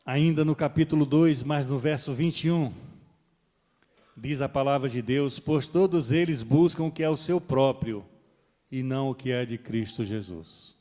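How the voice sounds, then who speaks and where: A middle-aged man preaching a sermon as pastor, swelling loud on key points and then dropping soft. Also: mid-range voice, moderate pace. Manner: rises and swells with emphasis, then drops soft. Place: church hall. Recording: long reverb of a church hall.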